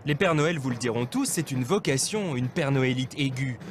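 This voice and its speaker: A man's voice: medium pitch, lively intonation, normal speed, slight background noise. A man narrating a documentary in a wry, playful scripted voice-over. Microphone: studio voice-over. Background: music.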